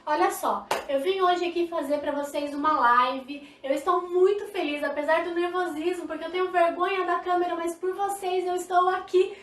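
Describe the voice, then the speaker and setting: Uma mulher com sotaque brasileiro, dando uma aula online ao vivo de língua de sinais, animada e demonstrativa, falando direto com os espectadores. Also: female voice, very high-pitched, moderate pace, hardly any pauses, roomy sound, distant mic, slight background noise. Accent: Brazilian Portuguese. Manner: lively, demonstrative, talks to viewers directly. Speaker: sign language teacher. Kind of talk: live online lesson. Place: indoor room, live stream.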